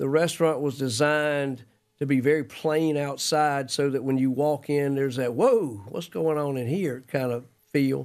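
Here a man speaks in a Southern US accent at a moderate pace. His pitch is fairly high, with ordinary variation. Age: 60s. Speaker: restaurant owner. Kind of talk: interview. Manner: halting.

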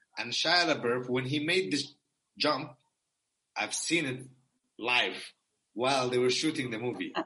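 A man with a Middle Eastern accent, medium pitch and ordinary pitch variation, at a fairly slow pace with long, frequent pauses. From Iraqi Kurdistan. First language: Kurdish. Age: 30s. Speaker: logistics company manager, former exchange student. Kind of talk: casual interview. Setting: video call. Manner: halting.

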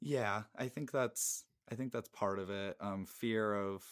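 Very slowly and fairly low, a man speaks with ordinary pitch variation on a very clean recording with a silent background. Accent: American. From Massachusetts. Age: 20s. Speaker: podcaster. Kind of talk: casual chat.

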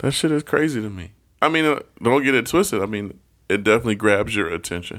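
Talking at a very fast pace, a man with a medium pitch uses lively intonation on a very clean recording with a silent background. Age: 30s. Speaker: podcast co-host. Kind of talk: casual chat. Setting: studio. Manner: animated.

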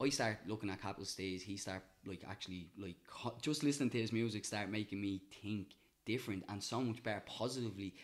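A man with a Dublin accent talks at a very fast pace in a fairly low pitch. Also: ordinary pitch variation. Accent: Dublin Irish. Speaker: artist and musician. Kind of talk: casual chat.

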